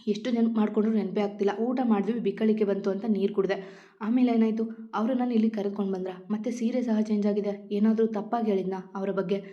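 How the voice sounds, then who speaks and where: A shy young wife, easily embarrassed and quick to worry, read aloud by a woman. She sounds pleading and flustered at a middling pitch. The storybook recording has a dull, lo-fi tone. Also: steady tone, close to an everyday voice. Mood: worried. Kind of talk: storybook reading.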